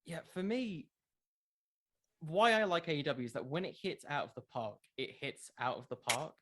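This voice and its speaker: A man's voice: on the high side, normal speed, fairly bright tone. A man who makes a podcast, answering in a casual interview, explaining his views with plenty of qualifiers. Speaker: podcast creator being interviewed.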